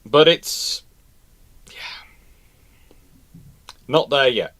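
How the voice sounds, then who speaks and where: Hosting a casual live question-and-answer show on naval history, a man talks emphatically and rephrases his points for stress. His medium-pitched voice is expressive and fairly bright, delivered very slowly.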